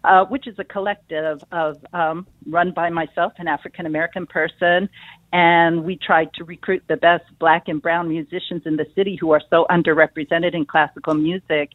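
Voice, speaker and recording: A woman calling in to a radio show, speaking thoughtfully with pauses and fillers. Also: fairly low pitch, steady tone, dry recording. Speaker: caller, clarinetist. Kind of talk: call-in talk over phone. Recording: dry tinny phone line.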